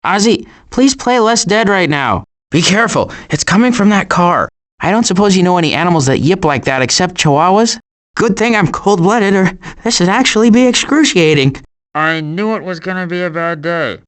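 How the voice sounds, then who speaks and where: A man voicing a cautious, anxious adult male turtle in an animated video game, fretful and wry with deadpan sarcasm and stammers. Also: sits high, normal speed. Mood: fretful, sarcastic.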